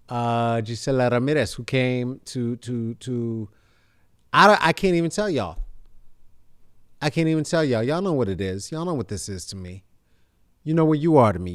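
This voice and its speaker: A man hosting a casual chat show, rambling and playful, moving from quiet earnest thanks to loud hype. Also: medium pitch, clean tone, no room sound, clean studio sound. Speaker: podcast host. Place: video call.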